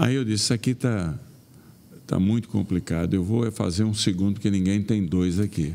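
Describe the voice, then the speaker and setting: A man's fairly low, dark and mellow voice at a moderate pace, with ordinary pitch variation and very even loudness. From Brazil. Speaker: missionary and theologian. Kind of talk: casual chat.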